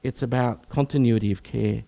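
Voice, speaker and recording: A male Australian GP presents at an information session for health professionals in a hoarse, croaky voice worn down by much talking. He frequently clears his throat and breaks off to restart what he was saying. His mid-range voice keeps a steady tone and a moderate pace, with a mellow quality.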